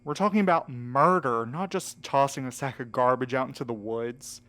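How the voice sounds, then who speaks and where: A smooth, clear male voice of middle pitch from an actor plays a protective, exasperated friend in an audio drama. He is earnest and direct, with some light sarcasm. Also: moderate pace, a bit bright, natural voice. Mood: urgent. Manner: direct, plain-spoken, mildly sarcastic.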